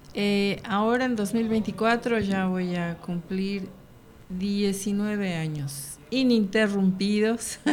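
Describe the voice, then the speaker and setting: At a very slow pace, a woman talks at medium pitch with ordinary pitch variation. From Mexico, Michoacán. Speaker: activist guest. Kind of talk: radio interview.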